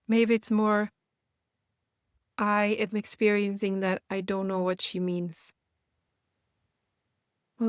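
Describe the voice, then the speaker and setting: In a guided meditation, a woman with an average female pitch gives gentle, reassuring instructions, letting unhurried space fall between her phrases. The recording is very dry, with no room sound.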